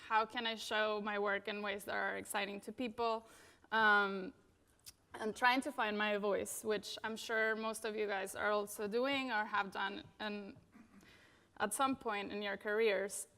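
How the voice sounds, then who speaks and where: A woman's voice: medium pitch, fairly even intonation, unhurried, pushed and bright, clear, resonant tone. A woman in her thirties from Venezuela giving a casual conference talk about her design career, with many fillers. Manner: casual, many fillers, frequent "you know" and "like".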